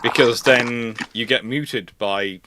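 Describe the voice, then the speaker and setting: A man hosts a live history discussion, casually answering naval history questions while rambling and restarting phrases. His voice is mid-range and slow, with background noise present.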